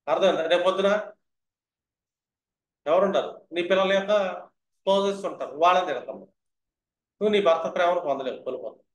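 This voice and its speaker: A man's voice: high-pitched, fast, pauses often, reverberant. A man teaching astrology in a lecture style, who keeps asking his listeners whether they have understood.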